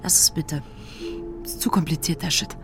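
A woman's voice: low voice, fairly even intonation, normal speed, creaky. An actress playing a weary, sardonic woman in her thirties in a radio play, laconic and understated. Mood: dry, wry. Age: 30s. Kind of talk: intimate radio play acting. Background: music.

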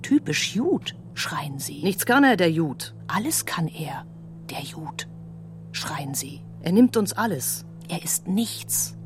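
A woman playing a haunting, anguished voice of memory in a literary radio play, deliberate and often dropping to whispers. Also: low-pitched, big pitch swings, slight background noise, full character voice. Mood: bitter, haunted. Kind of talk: literary radio drama, echoing recitation. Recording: music behind the voice.

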